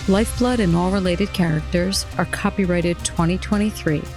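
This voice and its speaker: A woman's voice: on the low side, steady tone, moderate pace, darkish tone, faint music behind. A woman announcer reading scripted credits for an audio series.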